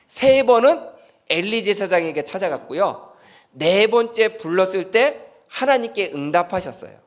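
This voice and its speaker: Lively high-voiced Korean pastor preaching. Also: male voice. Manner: animated, asks the congregation questions and acts out dialogue. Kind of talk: sermon.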